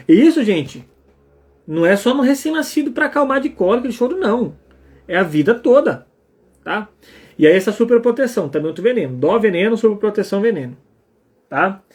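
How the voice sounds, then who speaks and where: A Brazilian psychologist gives a live talk, his voice sitting high for a man. He speaks emphatically and bluntly. He keeps checking in with his listeners as he goes. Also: darkish tone. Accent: Brazilian Portuguese. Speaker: psychologist and couples therapist.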